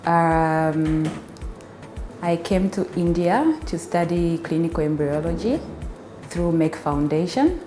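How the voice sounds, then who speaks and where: A woman's voice: on the low side, slow pace, mellow. A Zambian woman, a biomedical scientist, giving a testimonial in a hesitant way with many fillers and restarts. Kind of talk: filmed testimonial interview. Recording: echoey room with faint music.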